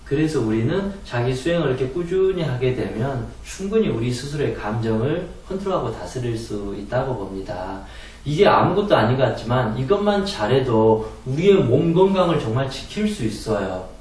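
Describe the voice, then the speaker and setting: A man giving a spoken lecture on calming anger through meditation, earnest and explanatory, often asking rhetorical questions. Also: mid-range voice, moderate pace. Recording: very echoey room, distant mic.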